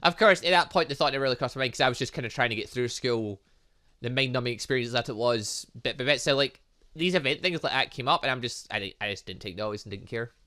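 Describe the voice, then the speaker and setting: A man's voice: mid-range voice, quick pace, sharp tone. A young man giving casual let's play commentary on a visual novel, rambling and thinking aloud with muttered filler sounds. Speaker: gaming channel host.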